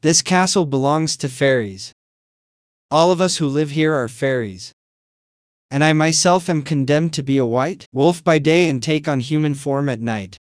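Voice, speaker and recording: A man voicing a stern white wolf under a fairy curse, speaking slowly and gravely in a storybook tale. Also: fairly high pitch, no echo, clean studio sound, close to an everyday voice.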